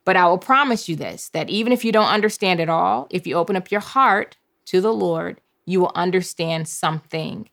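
A woman hosting a podcast Bible lesson, leading call-and-response memorization with drawn-out phrases. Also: lowish voice, vocal fry, fairly bright tone. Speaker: podcast host and Bible teacher.

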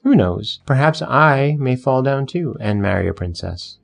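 A man's voice: medium pitch, lively intonation, a little slow, gravelly, faint music behind, pitched above the performer's own voice. A man voicing an eager, naive young fir tree in a storybook reading, asking longing, wondering questions. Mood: dreamy.

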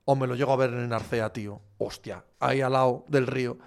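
A man with an Asturian accent, a sports journalist casually answering viewer questions, animated and swearing freely. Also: medium pitch, fairly quick, creaky, clear, resonant tone. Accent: Asturian Spanish. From Asturias, Spain. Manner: animated, swears, acts out shouting fans. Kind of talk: casual live chat.

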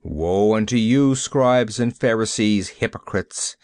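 A man doing a deep, stern preacher. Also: takes it slowly, a little mellow, clear, resonant tone, no echo, clean studio sound. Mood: denouncing. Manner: deep, grave, preaching cadence. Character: troubled, stern middle-aged male minister.

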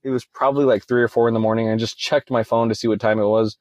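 A man's voice: mid-range voice, level tone, quick pace, darkish tone, no echo. Young man telling a story, dry close sound. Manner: conversational, leans on "you know" fillers. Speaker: podcast guest. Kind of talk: casual interview storytelling.

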